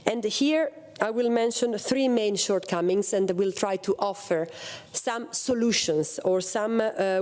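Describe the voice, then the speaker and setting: A woman's voice: medium pitch, warm tone. A woman from Italy, speaking on a policy panel, hesitant with many fillers and restarts. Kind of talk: panel talk on security policy.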